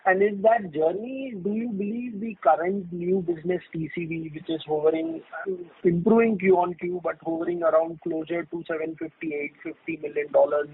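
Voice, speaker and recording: Raspy, animated man on phone. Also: high-pitched. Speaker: equity analyst. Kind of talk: question on earnings call. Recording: phone-like conference line.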